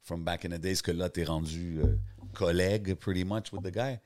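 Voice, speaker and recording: A man's voice: deep voice, steady tone, moderate pace, a little mellow. A man with a Québécois accent hosting a podcast, asking questions in a casual, slangy way. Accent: Québécois French. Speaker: podcast host.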